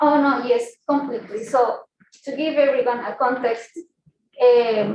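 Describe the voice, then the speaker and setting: Speaking at a fairly slow pace, a woman with a Spanish accent talks in a high pitch with fairly even intonation. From Chile, raised in Portugal from childhood. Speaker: comics artist. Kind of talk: panel discussion.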